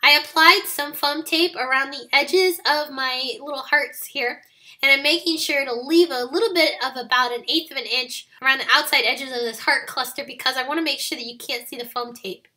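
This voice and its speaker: Raspy, bright-voiced woman crafting tutorial. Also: sits high, moderate pace. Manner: friendly step-by-step explaining. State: raspy voice from recent illness. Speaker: card-making video host.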